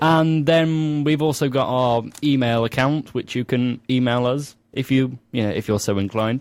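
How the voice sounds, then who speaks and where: In a very clean recording with a silent background, a man with a medium-pitched voice and a Norfolk accent talks at a moderate pace, with fairly even intonation and hardly any pauses. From Norfolk, England. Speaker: student radio co-host. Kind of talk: casual chat.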